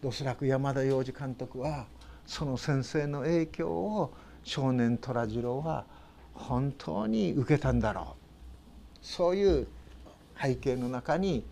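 A man's voice: medium pitch, takes it slowly, gravelly, dark tone, a little hiss or hum. An older man preaching a sermon as a pastor, with a Tochigi accent, earnest and emphatic, often ending sentences on a rise. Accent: Tochigi Japanese. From Tochigi, Japan. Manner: earnest, emphatic, with rising sentence ends and tag questions.

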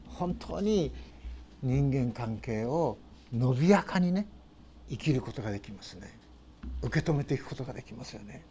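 A man's voice: on the high side, darkish tone, slight background noise. An older man preaching a sermon as a pastor, with a Tochigi accent, earnest and emphatic, often ending sentences on a rise. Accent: Tochigi Japanese. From Tochigi, Japan. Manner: earnest, emphatic, with rising sentence ends and tag questions.

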